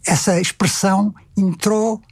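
An older man with a European Portuguese accent, a retired publisher reflecting at a measured pace and repeating phrases as he thinks. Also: sits high, steady tone, husky, dry recording, studio quality. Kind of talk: reflective conversation.

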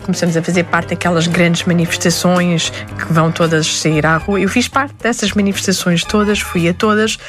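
A woman's voice: on the low side, steady tone, moderate pace, few pauses, music in the background. A woman born in Lebanon, speaking, telling stories as an interview guest. She often laughs and restarts her words. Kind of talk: conversational interview.

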